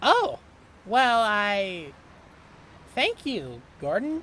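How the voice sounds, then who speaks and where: A female-sounding, put-on character voice sits at a fairly high pitch. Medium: audio drama. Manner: excitable.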